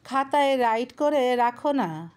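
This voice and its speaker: A woman's voice: sits high, animated, slow, a little mellow, smooth. A woman voicing a cocky young woman pickpocket who leads a small gang and talks in broken English. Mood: wheedling. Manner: bossy, mixing broken English.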